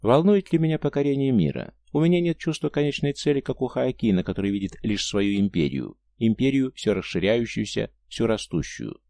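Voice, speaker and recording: A man reading the part of an immortal young princess, bored, cruel and teasing, with a soft murmuring delivery. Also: mid-range voice, expressive, a little fast, creaky, hardly any pauses, no room sound. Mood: weary.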